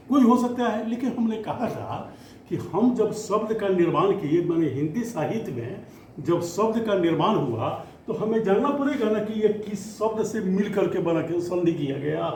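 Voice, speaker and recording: A man teaching Hindi grammar to students, explaining slowly and often stretching out words as he goes. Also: high voice, a little mellow, a little hiss or hum. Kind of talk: classroom lesson. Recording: echoey room, faint ambience.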